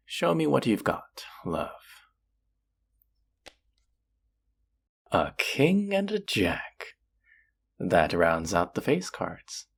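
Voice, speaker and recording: Husky, creaky, teasing demon dealer played by a woman. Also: a bass voice, heavily acted. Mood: confident, possessive. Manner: slow, teasing, flirtatious, taunting. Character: teasing, possessive demon casino dealer of the underworld. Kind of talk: flirty roleplay audio drama, intimate one-on-one.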